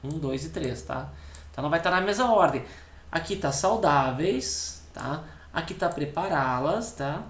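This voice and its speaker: A man with a southern Brazilian accent teaching an exam-prep lesson, explaining step by step and tagging nearly every phrase with a quick check-in question. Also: on the high side, animated, a bit bright. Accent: southern Brazilian (Rio Grande do Sul). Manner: repeats key words slowly for emphasis. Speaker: Portuguese teacher for civil service exams. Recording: echoey room.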